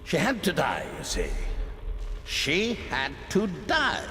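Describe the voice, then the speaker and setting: A fallen villainous regent, bitter and self-justifying, his voice swinging widely between low mutters and sharp outbursts. Heard through long reverb with a steady noise floor behind, in a video game. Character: disgraced male regent, scheming, then desperate. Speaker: villain confessing his crimes.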